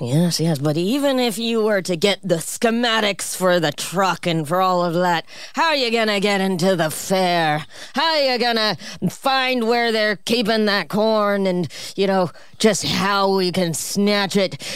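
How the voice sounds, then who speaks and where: The voice is a put-on character at a middle pitch. Its pace is fairly slow. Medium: actual play. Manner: slow, genteel, nostalgic.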